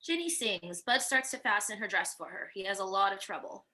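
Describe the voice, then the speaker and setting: A woman's voice: mid-range voice, a little fast, pushed and bright, rough recording. A woman reading stage directions as scripted narration at a virtual table read.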